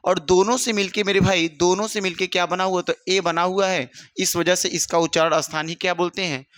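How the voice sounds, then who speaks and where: A man's voice: high voice, fairly even intonation, fairly quick, fairly bright tone, no echo. A man teaching an exam-prep grammar lesson. He asks questions, answers them himself and calls the students "my brother.".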